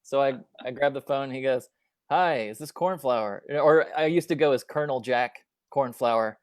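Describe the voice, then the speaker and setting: A man's voice: mid-range voice, fairly even intonation, smooth, dry recording. Guy on a video call telling his story, lots of ums and restarts, dry close sound. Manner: halting, many fillers and restarts. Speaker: guest speaker. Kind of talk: personal storytelling at an online talk.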